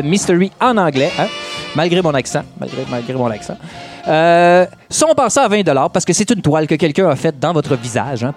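A man with a Québécois accent, emceeing a live event and calling an auction in a playful, joking way, stretching out the bid calls. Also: on the high side. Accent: Québécois French.

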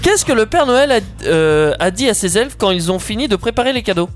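Quick talking guy on a panel, high voice, reading jokes, music behind. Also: very animated. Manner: quick, reads out jokes playfully. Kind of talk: casual panel chat.

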